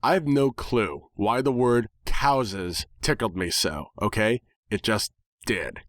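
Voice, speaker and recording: A man's voice: fairly low pitch, slow, fairly bright tone, dry recording, clean studio sound. A man giving a dramatic first-person story reading in a wry, sardonic, conversational way. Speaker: story reader. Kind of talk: dramatic first-person fan fiction narration.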